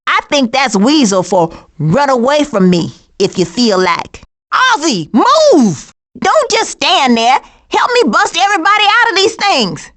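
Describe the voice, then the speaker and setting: Brash female skunk, game animation: American accent, high register, lively swings, blunt and sassy. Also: exaggerated voice. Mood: bossy, urgent. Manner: sassy, blunt, folksy slang. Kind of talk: animated video game voice acting.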